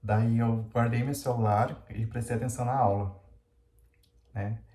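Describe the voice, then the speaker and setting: A man's voice: medium pitch, fairly even intonation, unhurried, warm tone. A man telling a personal story to camera in a candid, confessional way, with lots of fillers. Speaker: vlogger. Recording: roomy echo.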